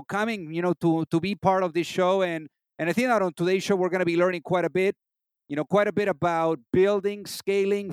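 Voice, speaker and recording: Man, podcast host, smooth resonant voice, dry close sound, rambling filler-heavy talk. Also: sits high, dry recording. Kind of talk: interview hosting.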